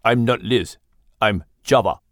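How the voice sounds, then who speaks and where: A narrator voicing a huge, courteous male black panther from a children's storybook, with a deep voice and a Malaysian accent. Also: no echo, clean studio sound, lightly acted. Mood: mysterious, amused. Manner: calm, unhurried, polite.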